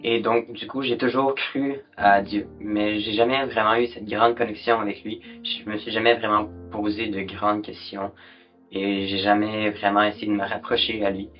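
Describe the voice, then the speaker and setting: Teen boy, lower voice, earnest testimony, guitar bed. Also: flat delivery, normal speed. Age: teens. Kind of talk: testimony video. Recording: dull recording with soft guitar.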